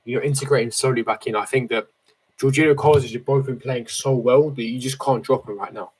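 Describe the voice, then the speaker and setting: Late-teen male, medium pitch, casual streamer chat, slangy, opinionated, repetitive emphasis, close desk mic. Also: steady tone, quick pace, darkish tone, slightly rough, poor audio. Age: 18, late teens. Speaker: football fan streamer. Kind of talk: casual livestream chat, reading and answering viewer comments. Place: small bedroom, indoors. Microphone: desk microphone close in front.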